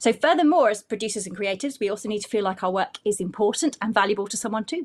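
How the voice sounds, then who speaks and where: A woman with a British accent at a very fast pace. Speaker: podcast producer and business director. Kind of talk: talk presentation with slides.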